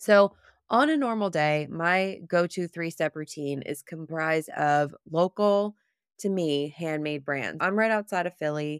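A woman with an American accent and a normal speaking voice, fairly low in pitch with ordinary pitch variation, at a fairly slow pace, in a dry, close sound with no echo. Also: very clean recording, silent background. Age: 30s. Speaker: podcast host, event planner. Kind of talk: solo podcast monologue.

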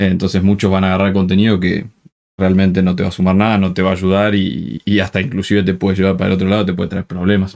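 The delivery is very fast, in a monotone with flat intonation. Loudness stays very even throughout. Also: man, very deep, low pitch for a man. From Argentina, Buenos Aires. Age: 20s. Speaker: baritone singer, music student. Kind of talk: casual chat.

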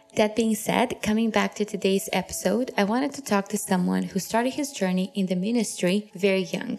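In a Romanian accent, a woman talks at a moderate pace. Her pitch is medium and her intonation fairly even. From Romania, Transylvania. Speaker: podcast host. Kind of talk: casual interview.

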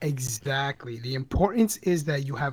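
In an American accent, the speaker's somewhat breathy voice shows ordinary pitch variation. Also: man. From New York, Brooklyn. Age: 30s. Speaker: crypto enthusiast, doorman. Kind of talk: casual interview.

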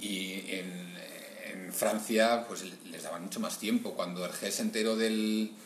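Amid noticeable background noise and audible room echo, a man talks at a very slow pace with big swings in loudness. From Spain, Bilbao (Basque Country). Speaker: comic book author. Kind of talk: interview. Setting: public library. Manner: halting, repeats words.

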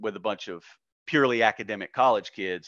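The voice has an Appalachian accent, with a dry, close sound with no echo and a quiet background. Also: man. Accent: Southern US, Appalachian. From US South, Alabama and Appalachia. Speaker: homesteader and activist. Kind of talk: casual interview conversation.

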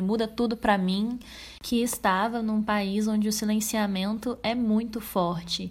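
Somewhat breathy and flat in intonation, a woman speaks at a moderate pace and a medium pitch. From Brazil. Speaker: former exchange student. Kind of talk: recorded personal testimony.

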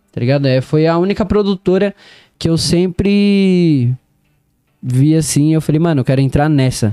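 A man with a fairly high voice talks at a moderate pace over background music, the sound dry and close with no echo. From Brazil, Suzano, São Paulo state. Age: 20s. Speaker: DJ and music producer. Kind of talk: casual chat. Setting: studio.

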